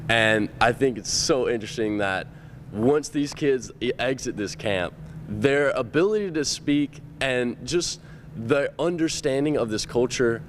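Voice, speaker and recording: A young man, a camp counselor, speaking eagerly and quickly in a news interview, with restarts. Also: mid-range voice, lively intonation, a little hiss or hum.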